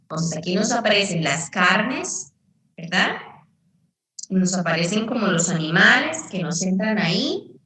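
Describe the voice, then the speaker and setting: A female English teacher patiently explains a lesson and quizzes her class, repeating herself and asking them questions. Her medium-pitched voice is expressive, a little slow and sharp in tone. The mic sits at a distance in an echoey room.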